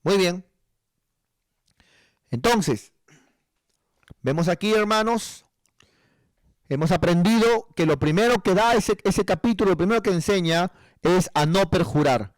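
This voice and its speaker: A man's voice: high-pitched, expressive, a little slow, pauses often, no echo. Emphatic preacher man, dry sound. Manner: preaching with rising emphatic passages, acting out prayers. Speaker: pastor. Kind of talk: sermon.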